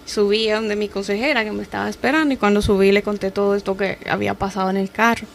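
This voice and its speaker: A woman's voice: medium pitch, steady tone, fast talker, vocal fry, slight background noise. A young woman with a Dominican accent giving a personal faith testimony as a radio guest, telling her story earnestly and acting out the dialogue she quotes.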